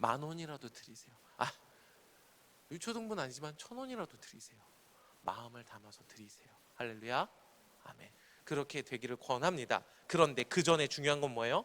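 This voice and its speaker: A man talks at a fairly quick pace with a fairly high pitch, lively intonation, a bright, sharp tone, big swings in loudness and long, frequent pauses. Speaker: youth pastor. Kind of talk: sermon. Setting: church service with congregation. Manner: animated, call-and-response.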